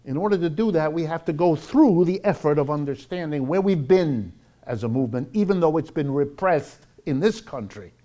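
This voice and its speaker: A man giving an informal public lecture, speaking emphatically with rhetorical questions and deliberate pauses. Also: on the high side, animated, mellow. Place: live talk before an audience.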